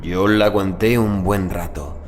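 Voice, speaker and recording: A man narrating a scripted first-person horror story in a measured, deliberate literary manner. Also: low-pitched, fairly even intonation, a little mellow, a little hiss or hum. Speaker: audiobook narrator.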